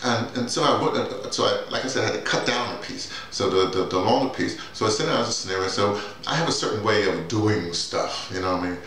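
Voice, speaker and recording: A low, gravelly middle-aged man chats informally to a camera in a very echoey office. He rambles and halts, doubling back on words and wandering into side remarks. The mic sits at a distance, so the voice sounds roomy and removed. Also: a bit bright. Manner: rambling, halting, repeats words and digresses. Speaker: playwright and audio drama director presenting his writing. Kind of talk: casual off-the-cuff vlog talk. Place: small bare-walled office, indoors. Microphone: camera mic a few feet away. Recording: distant mic, echoey room, noisy background.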